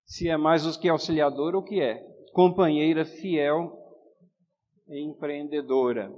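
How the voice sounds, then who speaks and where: An older man with a Pernambuco accent preaches in a loose, chatty way, his voice pitched somewhat high. It echoes with a long church reverb, and the sound is a bit muffled. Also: steady tone, a little slow, a little mellow. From Recife, Brazil. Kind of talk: sermon.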